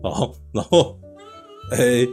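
A man hosting a podcast, recapping a plot in a chatty, animated way and often asking "you know?". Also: mid-range voice, slow pace, soft background music. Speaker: podcast host.

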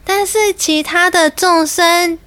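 A woman voicing her mother, a gracious older Buddhist nun, speaking in a gentle, soothing, patiently explaining way. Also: extremely high pitch, fairly even intonation, takes it slowly, voice pushed up, full character voice. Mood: serene.

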